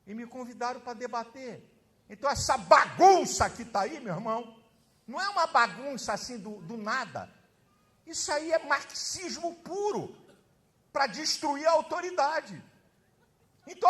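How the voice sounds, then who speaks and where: A man preaching a sermon as pastor, fiery and emphatic, often shouting. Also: very high-pitched.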